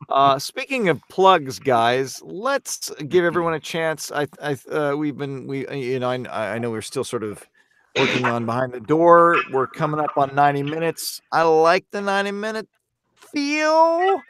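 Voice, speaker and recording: A man's voice: on the high side, lively intonation, moderate pace, a bit bright, clear, resonant tone. Rambling man hosting a chat. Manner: rambling, lots of filler and restarts. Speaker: podcast host. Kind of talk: casual group chat.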